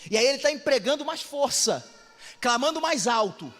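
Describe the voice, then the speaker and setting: A man with a Brazilian Portuguese accent preaching a fervent sermon, often rising to shouted exhortations, in an echoey church hall. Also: extremely high pitch, big pitch swings, moderate pace. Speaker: pastor.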